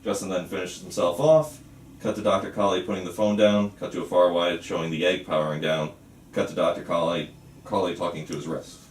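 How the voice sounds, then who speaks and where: A man's voice: low-pitched, little pitch movement, fairly quick. A man reading screenplay stage directions aloud at a table read in a roomy space. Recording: roomy, distant mic, faint room noise.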